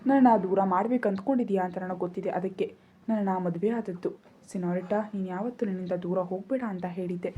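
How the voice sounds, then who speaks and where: A woman's voice: medium pitch, fairly even intonation, brisk, warm tone, highs cut off, a little hiss or hum, natural voice. A woman voicing a proud, possessive young husband with a brusque, commanding manner, in a read-aloud romance story. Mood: angry.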